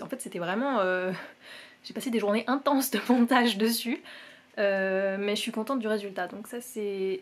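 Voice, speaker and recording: Casual young Frenchwoman chatting. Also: medium pitch. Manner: relaxed, many fillers, soft asides. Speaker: knitting vlogger. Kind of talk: casual chat.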